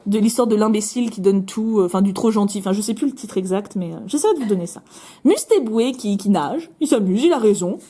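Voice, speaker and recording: A woman with a French accent chatting casually while opening trading card packs, bubbly and self-mocking with quick asides. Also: mid-range voice, lively intonation, dark tone, slightly rough. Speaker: card-opening video host.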